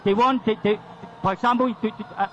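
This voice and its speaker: High-voiced man moderating a panel. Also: steady tone, fairly quick, fairly bright tone, dull audio. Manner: questioning, ends lines with "huh?". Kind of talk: panel discussion.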